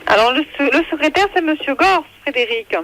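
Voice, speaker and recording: A woman working as a town hall receptionist, answering and transferring a call, heard over a landline phone in a polite, brisk way. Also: sits high, expressive, a bit bright, a little hiss or hum. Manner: polite, brisk switchboard phrasing. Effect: heard over a landline phone, distant.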